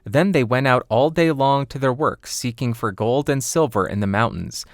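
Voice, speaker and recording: A man's voice: medium pitch, normal speed, no room sound, studio quality. A man reading a scripted fairy tale as an audiobook narrator.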